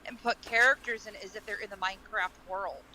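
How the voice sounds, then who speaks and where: A man's voice: sits high, fairly even intonation, fast talker, a crowd in the background, rough recording. A man chatting casually as a panelist in a group podcast. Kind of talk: casual chat.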